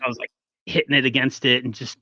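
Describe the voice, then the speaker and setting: A man hosting a casual sports podcast, talking in an animated, rambling way with frequent restarts. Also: mid-range voice, fast, no room sound, highs cut off. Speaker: podcast host.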